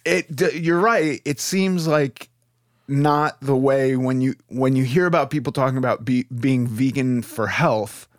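A man's voice: mid-range voice, unhurried, dry recording, studio quality. A man hosting a podcast, chatting in a friendly, casual way, often restarting his sentences. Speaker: podcast host.

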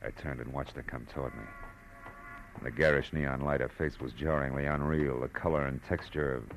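A man's voice: a bass voice, fairly even intonation, a little fast, a little hiss or hum. An actor playing a hard-boiled Los Angeles private detective in a 1940s radio drama, telling his story in a terse, world-weary way. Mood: brooding, watchful. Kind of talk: 1940s radio acting, first-person noir narration. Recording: old radio drama with music bed.

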